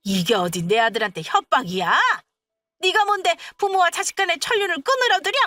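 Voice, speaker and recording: Woman doing a shrill screeching mother-in-law. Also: bright, forceful tone, no echo. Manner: screeching, abusive scolding.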